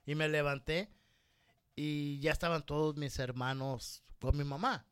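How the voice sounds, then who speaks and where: A man's voice: fairly high pitch, unhurried, clean tone, no room sound, studio quality. A man from Mexico with a Mexican accent, casually telling a personal story and acting out the voices in it. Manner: lively anecdotal, acts out quoted voices.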